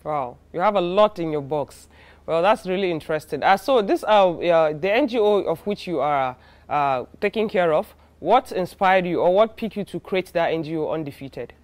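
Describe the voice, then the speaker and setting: A woman's voice: lowish voice, expressive, normal speed, darkish tone. A woman hosting a morning talk show, introducing a guest and asking upbeat, curious questions. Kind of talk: interviewing and presenting.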